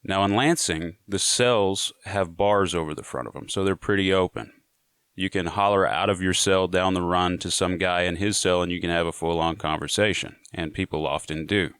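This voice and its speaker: A man's voice: low-pitched, steady tone, normal speed, fairly bright tone, clear, resonant tone, dry recording, clean studio sound. A man telling a prison story to his viewers in a casual, laid-back way, often saying "you know". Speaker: storyteller sharing prison stories.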